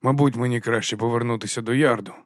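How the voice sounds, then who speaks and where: A man's voice: medium pitch, steady tone, fast talker, no room sound, studio quality, close to an everyday voice. A male narrator voicing a weary middle-aged watch captain who mumbles in a subdued way. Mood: sheepish. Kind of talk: audiobook character voice.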